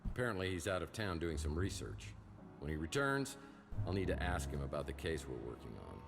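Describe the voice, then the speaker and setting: An actor playing a weary, wry middle-aged private detective in a noir adventure game, with a dry wisecracking delivery and music behind him. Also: male voice, low-pitched, very animated, fairly quick.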